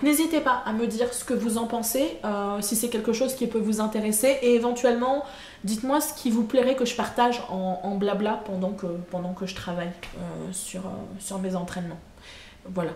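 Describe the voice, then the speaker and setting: A chatty woman vlogging from home, talking straight to the camera at a middling pitch. She meanders and corrects herself often, leaning on plenty of fillers. Her voice rings a little in an echoey room over a faint background hum. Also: darkish tone. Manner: chatty, hesitant, frequent fillers and self-corrections. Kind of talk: casual monthly vlog chat.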